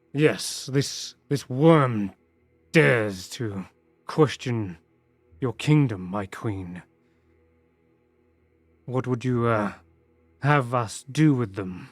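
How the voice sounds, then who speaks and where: Using a put-on character voice, a man speaks very slowly at a medium pitch with lively intonation, leaving long, frequent pauses. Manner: authoritative.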